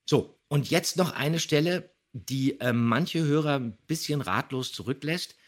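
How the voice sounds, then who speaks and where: A man's voice: on the high side, a little slow. A mature man chatting on a podcast, explaining details with enthusiasm. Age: middle-aged or older. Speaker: podcast co-host, radio play voice actor. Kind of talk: casual podcast talk, explaining.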